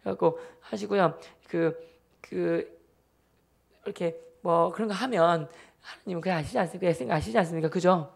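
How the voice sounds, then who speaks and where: A man in his thirties with a Gyeongsang accent, a church deacon giving a lively testimony talk and acting out his family. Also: sits high, normal speed, gravelly, slightly rough. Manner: animated storyteller who acts out family members.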